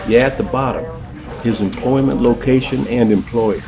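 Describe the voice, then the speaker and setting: A man's voice: mid-range voice, moderate pace, close to an everyday voice. A man playing an investigator in an audio drama, briefing a colleague in a wry, conversational way. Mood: serious, informative.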